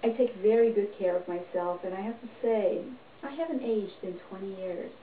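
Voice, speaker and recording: A middle-aged woman performer giving a deadpan, tongue-in-cheek monologue to camera. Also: medium pitch, moderate pace, a little hiss or hum. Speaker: comedy performer. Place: small indoor room, plain wall. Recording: echoey, distant, dull home recording.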